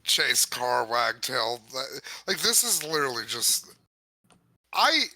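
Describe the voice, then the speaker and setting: Very bright, sharp-voiced man, dry sound. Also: mid-range voice, big pitch swings, slow, no room sound. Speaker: co-host. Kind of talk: casual profane comedic commentary.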